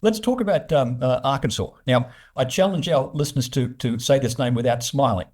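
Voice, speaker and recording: A man's voice: mid-range voice, fairly quick, darkish tone, husky. A man interviewing a guest on a business show, speaking conversationally with hesitant phrasing.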